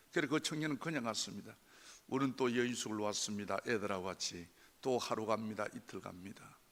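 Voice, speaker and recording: Gravelly older man testifying in a church. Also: medium pitch. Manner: impassioned, swinging from hushed near-whispers to loud cries. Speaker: church elder giving testimony. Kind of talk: emotional testimony sermon. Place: church sanctuary. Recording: long reverb of a church hall.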